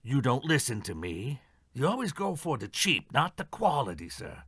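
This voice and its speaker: A man's voice: mid-range voice, big pitch swings, moderate pace, fairly bright tone, slightly rough, dry recording, studio quality. A man acting a stubborn, defensive horse trainer in an audio mystery play, respectful but defiant. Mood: indignant, protective. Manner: defensive, addresses superiors respectfully.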